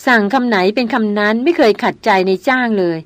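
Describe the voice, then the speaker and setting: A woman's voice: fairly high pitch, brisk, a bit bright, dry recording, close to an everyday voice. A woman voicing a proud, headstrong young noblewoman who speaks firmly and insistently in an audiobook. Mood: cool. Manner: firm, insistent.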